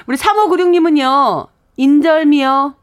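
Bubbly high-pitched woman radio co-host. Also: moderate pace. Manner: bubbly, giggly, acts out little quoted lines. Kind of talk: casual radio chat.

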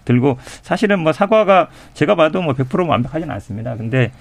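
A man's voice: a little high, expressive, fairly quick, vocal fry. A man who is a party spokesman, giving a defensive, conversational rebuttal in a political talk show debate.

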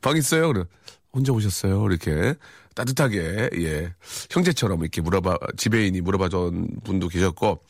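A man's voice: low-pitched, animated, a little fast, no echo, clean studio sound. A man hosting a radio show in casual chat, reading out listener messages with wry, chatty reactions.

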